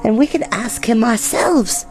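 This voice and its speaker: A man voicing Piglet, a small, timid and anxious male piglet, in a squeaky, fretful voice. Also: lively intonation, a little slow, faint music behind. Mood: eager.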